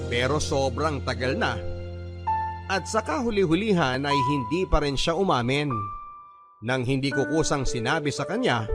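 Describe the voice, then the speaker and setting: Man acting wronged groom, first-person narration, mid-pitched, sober, confiding, radio romance drama, very loud music. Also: close to an everyday voice. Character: wronged groom soberly narrating his own love story.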